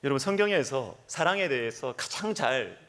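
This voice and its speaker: Middle-aged male pastor, sermon delivery, wide lively pitch, storytelling energy. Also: moderate pace. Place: church sanctuary.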